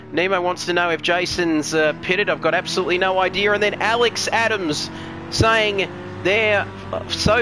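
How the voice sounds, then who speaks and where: A man commentating a sim racing live stream, chatty and joking as he reads out viewer comments. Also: sits high. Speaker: race commentator.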